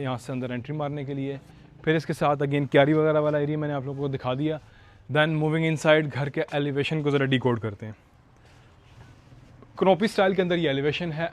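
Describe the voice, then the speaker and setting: A man's voice: on the high side, a little hiss or hum. A man with a Pakistani Urdu accent hosting a walkthrough house tour outdoors. He chats directly to viewers and drops English phrases into his talk. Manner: chatty, code-switching into English, addresses viewers directly.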